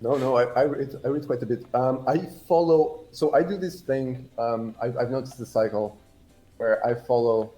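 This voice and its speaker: Casting: male livestream guest from Portugal, mellow mid-pitched voice, halting, blunt, rambling delivery, music underneath. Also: steady tone, poor audio. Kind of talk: casual interview on a livestream.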